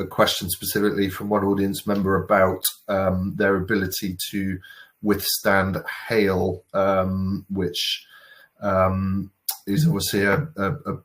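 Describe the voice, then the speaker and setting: A man with a very deep, flat, even voice moderates a webinar Q&A. He puts questions to the presenter haltingly and pads them with uhs and ums. He is speaking over a video call with his camera off. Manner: hesitant, many fillers while framing questions.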